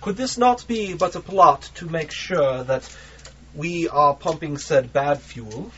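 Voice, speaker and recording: A man's voice: fairly high pitch, sharp tone. Man voicing a cultured, suspicious ship captain, muffled recording. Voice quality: cultured, refined. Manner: measured, formal, distrustful. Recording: dull lo-fi recording with background noise.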